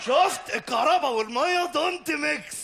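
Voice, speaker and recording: A man's voice: very high-pitched, animated, brisk, creaky, pitched above the performer's own voice, heavily acted. A man playing a bullying father who coaxes and rants insistently in a stand-up comedy act. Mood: smug. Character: bullying, coaxing father tricking his son. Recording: noisy live stage, loud audience.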